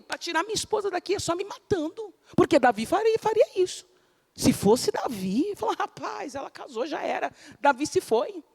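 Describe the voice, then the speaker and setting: A woman pastor preaching a sermon, dramatic and animated, shouting at peaks and dropping to near whispers, acting out the figures she quotes. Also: sits high, big-room sound. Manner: acts out biblical figures in quoted voices, laughs with the congregation.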